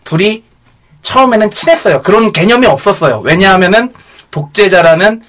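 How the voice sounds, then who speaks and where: A man's voice: sits high, lively intonation, brisk, fairly bright tone. A man on a talk show explaining politics in casual chat, with an irreverent, teasing manner.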